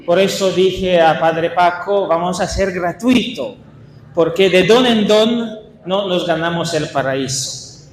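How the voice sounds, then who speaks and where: A man with an Italian accent, a Franciscan priest leading a workshop for catechists, speaking in an unhurried, halting way with small restarts. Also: sits high, slight background noise. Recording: echoey hall with faint ambience.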